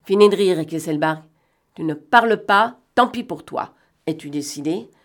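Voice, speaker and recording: Woman voicing a sly gentleman thief for an audiobook: bantering, sardonic, quick commands, pitch sitting a bit low. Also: animated, natural voice. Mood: commanding. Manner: bantering, sardonic, brisk orders. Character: cunning gentleman thief, man, mocking and commanding. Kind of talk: audiobook reading.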